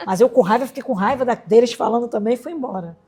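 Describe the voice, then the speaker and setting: Here the Brazilian guest from Rocinha talks fast, her slightly high voice carrying a breathy edge. An entrepreneur and singer, she tells an emotional story from her own life with animation, acting out every quoted voice.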